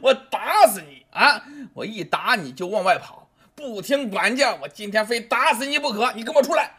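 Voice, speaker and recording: A male storyteller voicing a furious, brutish father who shouts threats and sneers at the police. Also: sits high, very animated, moderate pace, husky, heavily acted. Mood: enraged. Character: furious brutish father, middle-aged man.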